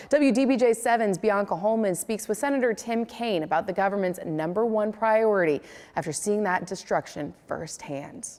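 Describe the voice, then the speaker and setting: American woman news anchor in reverberant room. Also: medium pitch. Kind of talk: scripted local newscast delivery.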